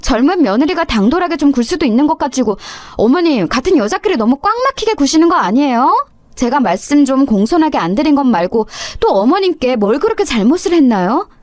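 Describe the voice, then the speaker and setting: A woman's voice: sits high, very animated, a little fast, a little mellow, dry recording, clean studio sound. A woman voicing a young, insolent daughter-in-law who talks back with sarcastic, mock-polite cruelty, for a radio story drama. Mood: defiant.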